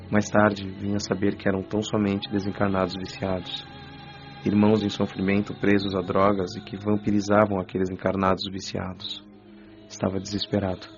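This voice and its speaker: A remorseful young ghost, once a cocaine addict, confesses in a subdued, deepish voice with little melody, as a man acts him. He speaks with a Brazilian Portuguese accent. The lo-fi recording sounds dull, with faint music behind him. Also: close to an everyday voice. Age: young adult. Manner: low, subdued confessional telling. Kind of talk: radio drama first-person account.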